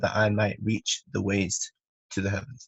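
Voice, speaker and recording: Somewhat breathy, a man with a northern English accent speaks at a medium pitch. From Manchester, northern England. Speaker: student. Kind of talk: classroom question.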